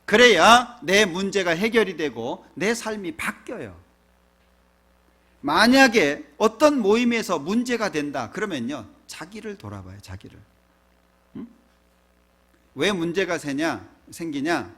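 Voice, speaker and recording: Male pastor preaching with lively pitch. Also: unhurried. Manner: conversational preaching with frequent rhetorical questions. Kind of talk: sermon. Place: church.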